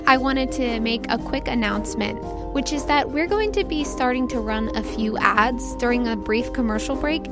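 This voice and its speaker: A woman hosting and narrating a tabletop adventure game as its game master. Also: a little high. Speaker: game master and podcast host. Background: music behind the voice.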